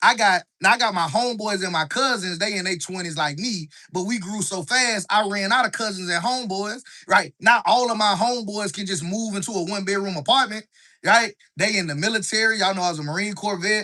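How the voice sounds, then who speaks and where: In an American accent, a man with a bright, sharp tone and high pitch projects a raised voice at a fairly quick pace with ordinary pitch variation. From US South. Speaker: business coach. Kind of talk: live stream business talk. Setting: home kitchen live stream. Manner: animated.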